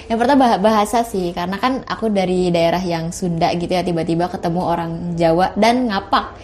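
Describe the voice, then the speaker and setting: A woman's voice: on the low side, fairly quick, darkish tone, slight background noise. A young woman, a university student, chatting casually as a podcast guest and laughing through her stories. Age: young adult. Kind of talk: casual chat.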